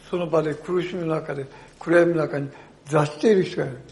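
A male pastor delivering a sermon in a storytelling manner, swinging from hushed tones to loud emphasis. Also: on the high side, steady tone, a little fast.

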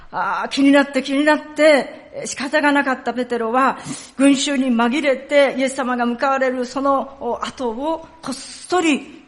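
A woman giving a sermon. She tells the story vividly and sometimes drops to a hushed tone for solemn parts. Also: sits high, moderate pace. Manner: storytelling, acts out quoted lines and dialects. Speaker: pastor.

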